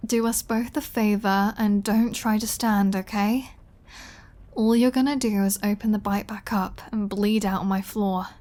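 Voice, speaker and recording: Woman playing a slow-talking, snarky vampire woman. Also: mid-range voice, steady tone, darkish tone, natural voice. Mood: teasing, tender. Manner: sarcastic, teasing, playful. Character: flirty, snarky, defiant female vampire. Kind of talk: scripted ASMR audio roleplay.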